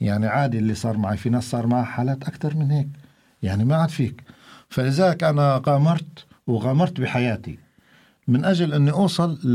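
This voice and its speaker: Recorded very cleanly against a silent background, a man speaks at a moderate pace in a fairly high, somewhat breathy voice with a dark, mellow tone and ordinary pitch variation. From Syria, Hama governorate. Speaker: refugee, former detainee. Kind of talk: radio interview testimony. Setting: studio.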